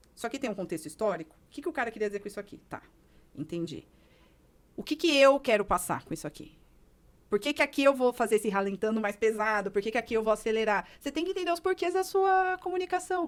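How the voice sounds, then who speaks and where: Speaking very fast with an interior São Paulo accent, a woman uses a fairly high pitch and very wide pitch swings on a very clean recording with a silent background. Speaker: cellist and music teacher. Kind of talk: podcast interview. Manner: animated.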